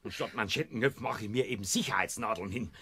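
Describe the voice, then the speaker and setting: An actor playing a grumpy, easily exasperated married man in an audio play, with a husky voice and a Bavarian accent. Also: fairly low pitch, fast talker, bright, forceful tone, full character voice. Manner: blustering, grumbling.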